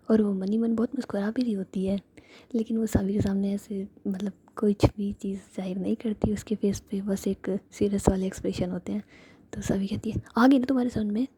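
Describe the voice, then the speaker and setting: A woman narrating a story in a soft, steady whisper. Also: medium pitch, normal speed, breathy edge.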